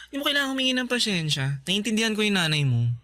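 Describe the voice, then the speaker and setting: A man playing a polite, gentle, self-effacing gay salon owner in a Filipino radio drama. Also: sits high, sing-song, very fast, dry recording, studio quality, full character voice. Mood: gentle, reassuring.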